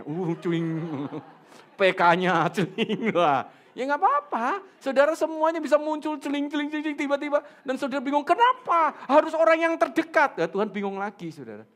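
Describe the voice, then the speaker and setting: A pastor preaches in a church with a fairly high, highly animated voice that swings up and down. Speaking to the room in a lively sermon style, he asks the congregation questions and drops jokes along the way.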